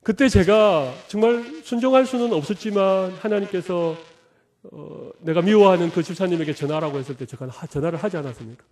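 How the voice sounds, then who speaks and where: A man's voice: high-pitched, darkish tone. Humorous, conversational middle-aged male pastor. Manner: humorous, conversational preaching with acted-out quotes. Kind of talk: sermon.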